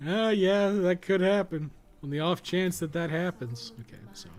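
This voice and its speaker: A man's voice: sits high, animated, normal speed. A young man giving casual live gaming commentary, thinking aloud in a rambling, mildly sweary way. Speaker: game streamer. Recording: noticeable background noise.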